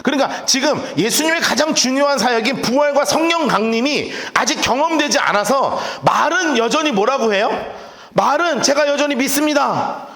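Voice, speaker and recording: A man's voice: very high voice, expressive, moderate pace, bright, forceful tone. A male pastor preaching a sermon and telling stories with playful acted voices. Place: church hall. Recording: echoey church hall.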